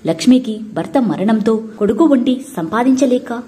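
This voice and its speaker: Mellow-voiced woman narrating a story. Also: a little high. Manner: steady, measured storytelling.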